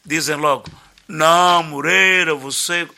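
A man's voice: a little high, a little slow, creaky. An older man, commenting on football in a radio debate, telling stories and searching for words. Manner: animated storyteller, searching for words. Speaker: sports commentator.

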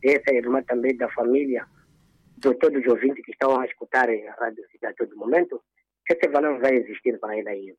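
A man from Mozambique phones in to a radio show, and his husky voice comes through dull and muffled. He talks earnestly and leans on religious phrasing. The sound is dry, with no room around it. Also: mid-range voice, fairly even intonation, a little fast, dry recording. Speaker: radio caller.

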